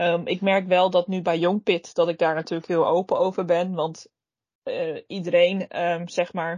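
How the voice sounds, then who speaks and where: A woman speaks slowly-ish, at a fairly slow pace, in a fairly low pitch with monotone, flat intonation. The sound is dry and close with no echo, over a quiet background. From eastern Netherlands (Enschede, Twente). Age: 20s. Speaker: youth foundation staff member and podcast co-host. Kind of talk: casual conversation.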